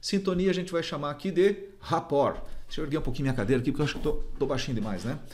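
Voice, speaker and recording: Audible room echo fills the space as a man's pitch swings very widely. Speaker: sales trainer and coach. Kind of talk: training review lecture. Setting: seated recording to camera. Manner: fast.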